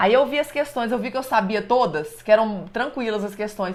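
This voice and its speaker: A woman speaks at a fairly quick pace and a fairly high pitch, with ordinary pitch variation. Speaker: police chief (delegada), interview guest. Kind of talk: casual interview chat. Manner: fast-talking.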